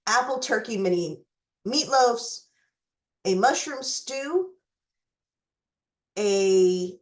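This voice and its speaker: Woman going thru recipes real slow, voice going hoarse, fighting a cough. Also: medium pitch. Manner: slow, deliberate, with fillers and restarts. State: losing her voice, fighting a cough. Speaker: recipe tutorial host. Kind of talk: reading a letter, then walking through recipes.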